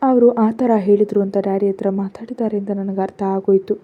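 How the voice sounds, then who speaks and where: A woman narrating a first-person family drama story in a soft, hushed storytelling voice. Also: medium pitch, fairly even intonation, a little fast, lo-fi sound.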